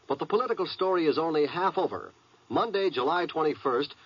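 Lively, slightly husky American radio announcer. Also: male voice, a little high, dry recording. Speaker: network promo announcer. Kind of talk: scripted 1950s radio promo. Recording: dull old radio recording.

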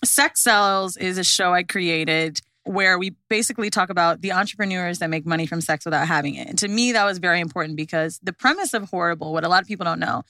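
A woman's voice: fairly low pitch, fast talker, few pauses, sharp tone, no room sound. A woman guesting on a podcast, blunt and slangy, swearing a lot in casual chat.

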